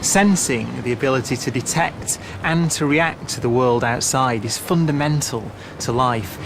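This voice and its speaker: A man presenting a nature documentary in a measured, marvelling way, explaining the natural world with wonder. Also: mid-range voice, gravelly, background noise. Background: prominent background music.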